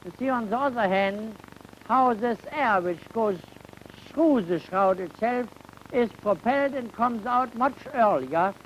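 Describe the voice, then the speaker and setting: Guy doing a science demo, real slow and halting, old 1950s film sound with some noise. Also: high voice, expressive, dull audio. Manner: halting, deliberate phrasing with rhetorical questions. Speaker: science lecturer and demonstrator. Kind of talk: educational film demonstration. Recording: noisy 1950 educational film soundtrack.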